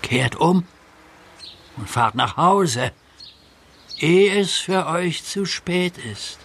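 An actor playing an old Native American man in a German audio drama, solemn and cryptic, speaking slowly and deliberately. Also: on the high side, expressive, vocal fry, a bit bright, slight background noise, full character voice. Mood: solemn, warning. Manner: slow, deliberate delivery.

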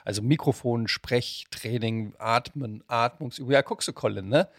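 A man's voice: mid-range voice, moderate pace, no echo, studio quality. A middle-aged man hosting a casual interview in speech, rambling and often interrupting himself in a colloquial way. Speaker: podcast host and interviewer.

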